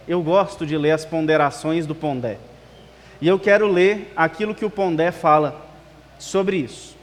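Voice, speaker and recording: This pastor from Espírito Santo, Brazil, speaks with a Minas Gerais Brazilian Portuguese accent and a fairly high-pitched voice. Addressing his congregation at a church service, he keeps his sermon conversational, tossing out rhetorical questions and saying "né". The amplified hall gives the audio a reverberant quality.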